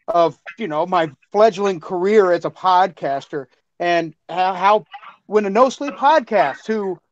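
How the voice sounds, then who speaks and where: Earnest male podcaster, fairly high voice, halting, dull low-fi sound. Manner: earnest, halting, repeats himself. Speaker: podcast creator and co-host. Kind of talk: casual group chat over mics.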